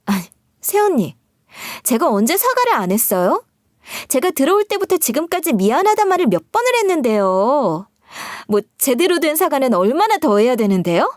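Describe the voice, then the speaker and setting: A woman's voice: high-pitched, very animated, moderate pace, a little mellow, no room sound, studio quality, pitched above the performer's own voice. A woman voicing a spoiled, pushy young sister-in-law who talks in a wheedling, pouty way in a story read aloud. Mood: indignant.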